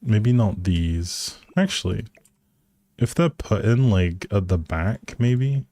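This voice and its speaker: A man's voice: lowish voice, animated, slow, dark tone, no echo. A man giving casual live game commentary as a streamer, musing aloud in a hesitant way.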